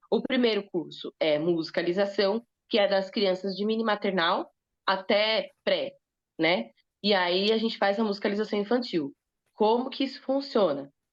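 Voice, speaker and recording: Speaking at a moderate pace, a woman with a medium-pitched voice uses an animated tone and ordinary pitch variation. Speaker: music school director. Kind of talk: online talk sharing business experience.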